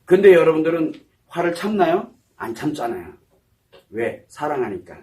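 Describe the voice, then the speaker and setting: A man's voice: on the high side, very animated, normal speed, a little mellow. A man giving a psychology lecture, asking the audience questions and answering them himself. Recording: voice somewhat far from the mic.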